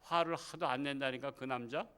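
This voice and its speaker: A man's voice: medium pitch, brisk, bright, forceful tone, smooth. A middle-aged man preaching a Wednesday evening sermon as pastor, talking conversationally and putting rhetorical questions to the congregation. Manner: acts out quoted speech in the sermon. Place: church sanctuary.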